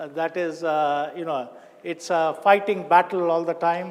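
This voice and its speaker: A high-pitched man with an American accent at a moderate pace, with noticeable background noise. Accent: Indian, shifts toward American. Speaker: professor. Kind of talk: lecture. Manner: halting, many fillers.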